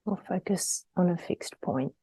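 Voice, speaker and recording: A woman guides a meditation in a lowish, very husky voice, gentle and slow to move on. Her phrases are soft and breathy, often sinking almost to a whisper. The sound is close and dry, with long pauses between instructions. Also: no room sound.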